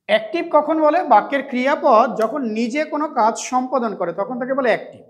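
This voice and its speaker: A male English teacher at a coaching centre from West Bengal, giving a classroom lecture on translation. He asks and answers his own questions and slows down to dictate English sentences word by word. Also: extremely high pitch, lively intonation.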